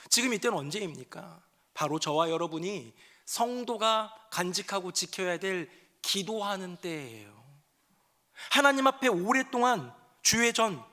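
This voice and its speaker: A man delivering a Sunday sermon from the pulpit, his voice sitting high for a man. He moves between quiet, reflective passages and raised, emotional outbursts, acting out the prayers he describes. Expressive preaching style. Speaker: pastor.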